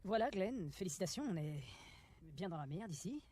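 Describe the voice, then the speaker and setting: A man's voice: high-pitched, animated, moderate pace, mellow, slight background noise. An actor playing a sarcastic young man who grumbles while stranded on a road trip.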